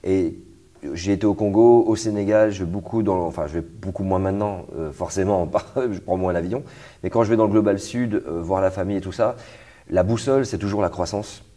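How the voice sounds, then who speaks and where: A man's voice: sits low, brisk, dark tone. A young man hosting an interview, talking casually with fillers and restarts. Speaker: host.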